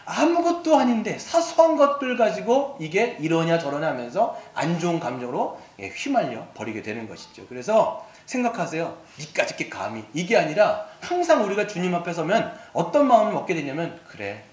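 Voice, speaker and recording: Animated high-voiced pastor, echoey church. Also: male voice. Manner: lively and animated, acting out quoted attitudes. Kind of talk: sermon. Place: church sanctuary.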